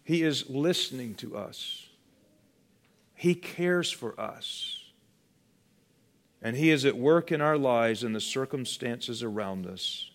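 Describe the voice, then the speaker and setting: A man preaching a sermon, slow and deliberate, letting his voice drop to a hush on key words. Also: mid-range voice, expressive. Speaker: pastor.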